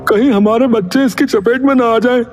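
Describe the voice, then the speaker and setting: Very high-pitched worried male villager played by a man. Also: steady tone, fairly quick, darkish tone, slight background noise. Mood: worried, pleading. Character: worried villager, anxious parent at a council. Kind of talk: dramatized audio story. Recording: music under the voice.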